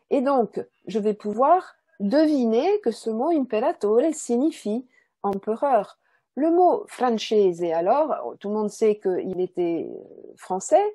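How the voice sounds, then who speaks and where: A woman's voice: medium pitch, dark tone, slightly rough, dry recording. A woman giving an explanatory lecture as a language researcher, in a didactic way, repeating key words and checking that listeners follow. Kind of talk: explanatory lecture, semi-spontaneous.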